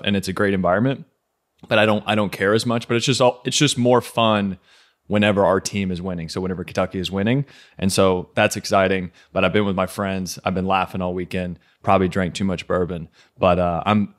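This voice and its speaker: A man hosting a podcast, talking in a raspy, hoarse voice after a weekend of celebrating, excitable and quick to laugh, often restarting his sentences. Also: on the low side. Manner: excitable, laughs often, stumbles and repeats words. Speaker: podcast host. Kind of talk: casual interview chat.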